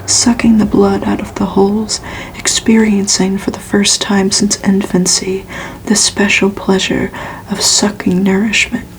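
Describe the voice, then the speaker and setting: A woman reading a gothic novel aloud for ASMR in a breathy, unvoiced whisper, hushed and deliberate, with pauses between phrases. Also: medium pitch, level tone, slight background noise, poor audio. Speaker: ASMR reader.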